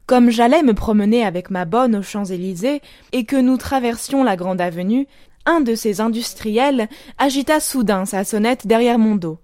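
A woman reading a classic short story aloud in a measured, deliberate way, with dramatic pauses. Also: a little high, a little mellow, no echo, studio quality. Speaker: audiobook narrator.

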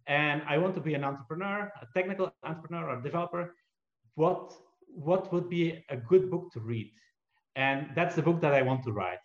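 This interview guest, an entrepreneur and author from Belgium with Dutch roots, speaks at a fairly high pitch in a conversational answer. His delivery is halting, full of restarts and self-deprecating jokes, and the room sound is spacious and a bit dull.

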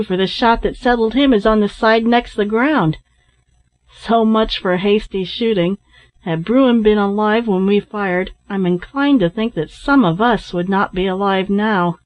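A woman's voice: mid-range voice, a little slow, close to an everyday voice, poor audio. Woman as a level-headed, sceptical adventurer man. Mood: dry, corrective.

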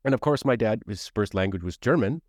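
A man's voice: lowish voice, animated, a little fast, no echo, clean studio sound. A man from Canada hosting a podcast interview, chatting in a rambling way with many restarts. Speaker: podcast host. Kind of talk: casual interview conversation.

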